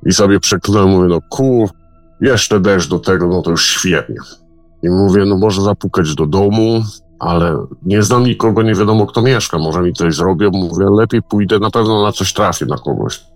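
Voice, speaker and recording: A man telling a personal story in casual speech, halting, with repeated words and restarts. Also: low-pitched, no room sound, faint music behind.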